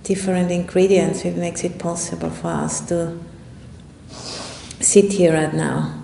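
A woman giving a guided meditation talk as a meditation teacher, speaking in an unhurried, reflective way with long pauses. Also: steady tone, vocal fry, dark tone. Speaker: Buddhist nun and meditation teacher. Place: indoor room at a retreat center. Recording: roomy echo, faint rumbling background noise.

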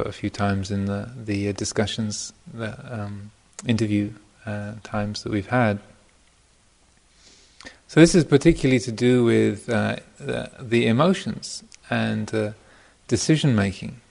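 Male meditation teacher, lowish and very gravelly, informal dharma talk, reflective, halting delivery. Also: fairly even intonation, a little mellow. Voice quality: gravelly, creaky voice. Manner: hesitant, thoughtful, pausing mid-phrase. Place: meditation retreat center.

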